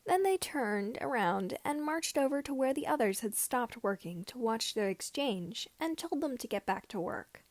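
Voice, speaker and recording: A woman with a fairly high voice reads a story aloud as narration. Her phrasing halts a little here and there. The sound is dry, with hardly any room to it. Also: lively intonation, no echo. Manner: somewhat halting phrasing. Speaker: podfic reader. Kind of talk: fan fiction audiobook narration.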